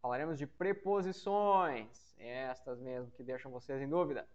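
A man teaching an English grammar lesson on a podcast. He repeats his example sentences slowly and keeps checking that listeners follow. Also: mid-range voice, a little mellow. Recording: dull, muffled lo-fi audio.

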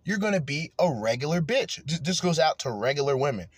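A man's voice: on the high side, expressive, brisk, breathy edge, no echo. A man hosting a podcast, ranting crudely and angrily in heated commentary. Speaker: podcast host.

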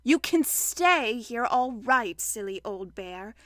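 A woman voicing a kindly, matter-of-fact young boy in a storybook, calm, fond and reassuring. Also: high-pitched, moderate pace, dry recording, studio quality.

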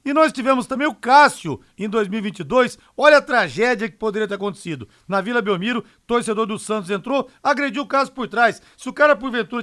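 Male sports radio host, high, forceful voice, emphatic live talk. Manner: emphatic, conversational, punctuated with rhetorical tags.

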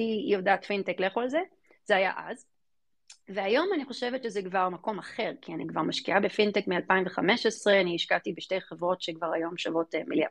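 Her voice medium-pitched and gravelly, this fintech venture investor speaks with an Israeli accent as an interview guest. She answers in an informal, emphatic way, frequently repeating words for emphasis.

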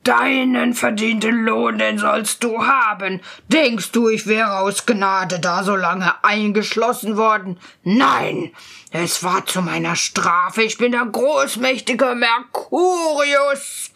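Woman putting on a haughty bottled spirit, slow and loud, gravelly edge. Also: fairly high pitch, heavily acted. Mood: menacing. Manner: slow, loud, drawn-out calls. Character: arrogant male spirit trapped in a bottle.

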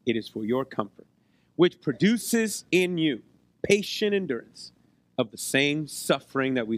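Male preacher, high-set hoarse voice, conversational sermon delivery with rhetorical check-ins, dry close-mic sound. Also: no room sound. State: hoarse, losing his voice, occasional cough. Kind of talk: sermon to a congregation. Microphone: close microphone on a PA.

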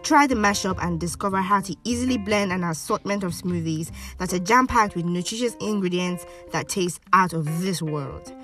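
Lower-pitched woman doing commercial voice-over, music behind. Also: moderate pace, few pauses, fairly bright tone, far from the mic. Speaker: voice-over artist. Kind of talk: scripted advertising voice-over.

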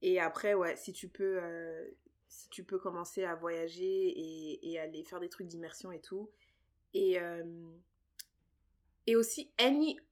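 A native French-speaking woman co-hosting a podcast in a casual, chatty way, reading out and answering listener questions. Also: on the low side. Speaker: podcast co-host.

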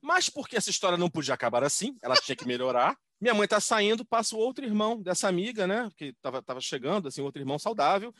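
A man co-hosting a podcast, telling family stories in an animated way and acting out the voices of the people in them. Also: sits high, quick pace, few pauses, no room sound, studio quality. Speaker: podcast co-host. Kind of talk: casual comedic storytelling.

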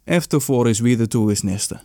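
A man's voice: mid-range voice, normal speed, dark tone, no echo, lightly acted. A man reading a stern father bird, dry close sound. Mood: scolding. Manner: stern, scolding. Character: protective father bird guarding his nest.

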